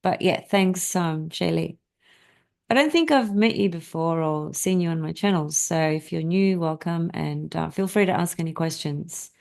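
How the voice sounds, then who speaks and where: A woman whose first language is Greek hosts a live astrology stream alone, speaking straight to her viewers. Her voice sits on the low side with a gravelly, creaky texture. She rambles easily, restarting sentences and filling pauses as she goes. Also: darkish tone. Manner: rambling, many fillers and restarts. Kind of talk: casual live-stream talk to chat viewers.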